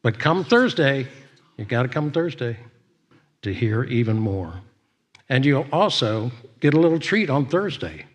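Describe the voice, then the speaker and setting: A man's voice: mid-range voice, sing-song, measured pace. A man hosting a church service, giving informal announcements in an upbeat, exclamatory manner. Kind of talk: informal spoken announcements to a congregation.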